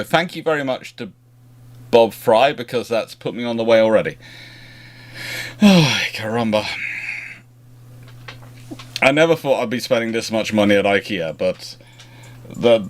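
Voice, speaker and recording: A man hosting a live stream in a casual, chatty way, often rambling and breaking off mid-sentence. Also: on the low side. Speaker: livestream host answering naval history questions.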